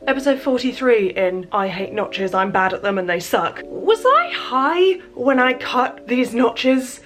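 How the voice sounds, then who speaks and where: A woman's voice: on the high side, sing-song, a little slow, a bit bright. A young English woman talks through her sewing at home in a casual vlog, chatty and self-mocking, often laughing at herself. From England. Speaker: sewing vlogger.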